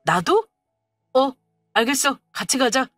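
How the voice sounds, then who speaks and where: A woman voicing a young husband in a story drama, first pleading, then shouting insults. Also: high-pitched, animated, measured pace, no echo, studio quality, soft background music, exaggerated voice. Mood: hesitant. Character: young male husband, sulky then angry.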